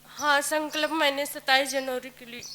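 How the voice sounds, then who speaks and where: A woman's voice: sits high, flat delivery, moderate pace, pushed and bright. A woman giving an emotional personal testimony in a pleading, rambling way.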